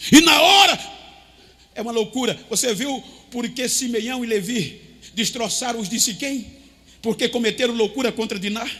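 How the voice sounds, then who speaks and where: A man's voice: very high-pitched, normal speed, a bit bright. A man preaching a sermon as pastor, impassioned, drawing some phrases out in a chanting tone.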